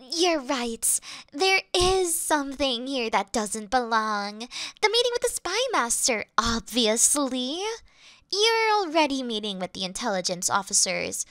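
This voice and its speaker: A woman voicing a flirty yandere female demon familiar who speaks to her mistress in a soft, adoring, sweetly fanatical way. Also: high voice, no echo, exaggerated voice. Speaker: voice actress in audio roleplay. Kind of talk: scripted audio roleplay.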